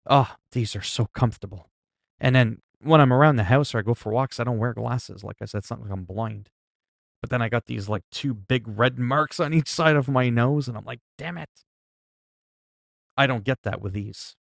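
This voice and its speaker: With a medium pitch, a moderate pace and noticeable vocal fry, a forties-aged livestreamer chats casually and profanely with his audience. He rambles and leans on everyday examples to explain things, and the studio sound is clean with no echo.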